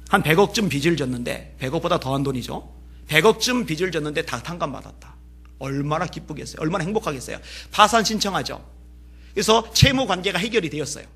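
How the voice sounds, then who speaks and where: Male pastor, sermon delivery, bright and husky, acts out the story's lines. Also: fairly high pitch. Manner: lively storytelling, acting out characters' lines.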